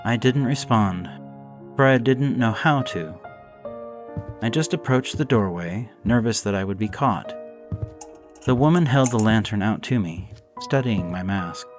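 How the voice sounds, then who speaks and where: A man narrating a first-person gothic horror story in a measured, solemn way, faint music underneath. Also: on the low side, lively intonation.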